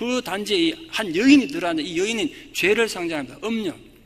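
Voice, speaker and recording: A man's high voice with very wide pitch swings, over noticeable background noise. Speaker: pastor. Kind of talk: sermon. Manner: fast.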